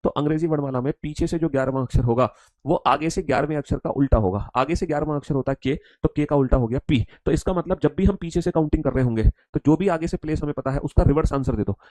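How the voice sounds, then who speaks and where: A man teaching a class, repeating every line and drilling students in loud call-and-response recitation. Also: a little high, fast, no room sound. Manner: drills students aloud, repeats each line, calls them son. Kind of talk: classroom lesson.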